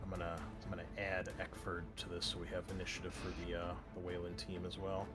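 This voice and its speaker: A man's voice: sits low, completely flat delivery, quick pace, loud music behind the voice. A man narrating a tabletop roleplaying game as game master, describing scenes in a casual, improvised way.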